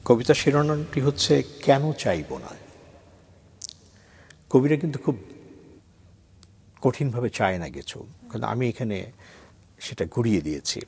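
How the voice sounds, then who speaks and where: Unhurried and husky, his medium-pitched voice swings widely in pitch, sounds creaky and darkish, and leaves long pauses. He is a middle-aged man from Bangladesh appearing as a reciter guest on a TV morning show in the studio, speaking earnestly before a poem he recites with mounting force.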